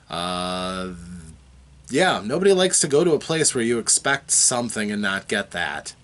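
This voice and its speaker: A man talking casually to his viewers from his basement, rambling with frequent fillers and restarts, his voice still a bit rough from a recent cold. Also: lowish voice, a bit bright. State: recovering from a cold, slightly rough voice. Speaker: vlogger. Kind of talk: casual chat to camera. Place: home basement.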